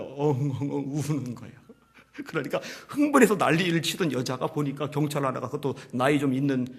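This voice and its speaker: A male pastor giving a sermon to his congregation, telling a story with rhetorical questions and swinging between hushed and loud, emphatic passages. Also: on the high side, vocal fry, breathy edge. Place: church service.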